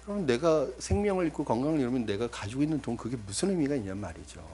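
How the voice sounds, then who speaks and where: A man's voice: sing-song, very fast, dark tone, slight background noise. A middle-aged man preaching a sermon to his congregation, emphatic, addressing them directly and often quoting scripture. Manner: emphatic preaching with big swings in pitch and volume. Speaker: pastor.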